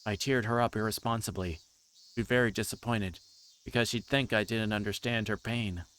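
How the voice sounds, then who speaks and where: A man with a fairly low voice streams a visual novel. He moves between reading the text aloud and informal, halting commentary as he thinks aloud. There is noticeable background noise with chirping insects behind him. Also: fairly even intonation, a bit bright.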